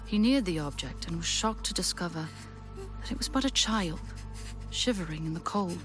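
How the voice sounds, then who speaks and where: A woman narrating a classic story for an audio drama in an expressive, measured storybook style. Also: lowish voice, over music, close to an everyday voice.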